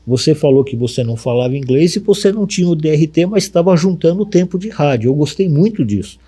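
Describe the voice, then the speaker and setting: A man's voice: a little high, fast, breathy edge. A middle-aged man with a Brazilian Portuguese accent, a radio announcer telling stories in an interview, acting out the dialogue as he goes. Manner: lively anecdote telling, acts out dialogue, frequent tag questions. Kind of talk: storytelling in an interview.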